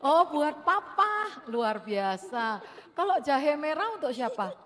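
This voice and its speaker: A woman's voice: high-pitched, sing-song, takes it slowly. Woman preaching in a reverberant church hall. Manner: warm preaching with call-and-response amens. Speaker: pastor. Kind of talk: sermon.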